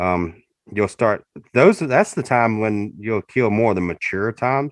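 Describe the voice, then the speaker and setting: With a Southern US accent, a man talks at a fairly low pitch. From US South, South Carolina. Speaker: turkey hunter and champion turkey caller. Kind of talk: casual interview.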